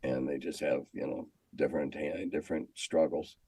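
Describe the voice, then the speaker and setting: An older American man reminiscing in a casual, halting, anecdotal way, often repeating himself as he goes. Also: a bass voice, fairly even intonation, creaky, warm tone, breathy edge, no room sound. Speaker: guest, former schoolteacher. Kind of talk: casual storytelling interview.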